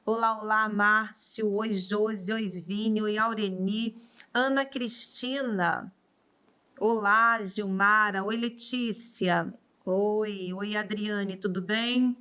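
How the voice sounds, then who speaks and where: A woman's voice: medium pitch, steady tone, takes it slowly, pushed and bright, smooth. A Brazilian woman teaching a live online law class. She greets viewers by name and then explains steadily. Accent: Brazilian Portuguese.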